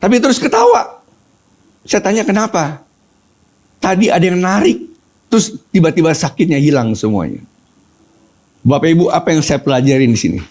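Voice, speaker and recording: Mellow-voiced man preaching a sermon. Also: fairly high pitch, brisk, long pauses. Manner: storytelling with animated quoted voices, addresses congregation directly. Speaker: pastor.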